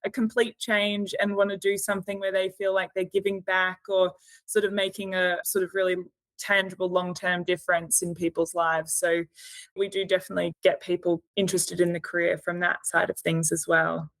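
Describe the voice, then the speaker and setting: A woman's voice: fairly low pitch, little pitch movement, moderate pace, a bit bright, dry recording, low-quality recording. A woman in her thirties from Australia with an Australian accent, chatting as a podcast guest and hedging often with "sort of" and "you know". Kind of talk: casual interview chat.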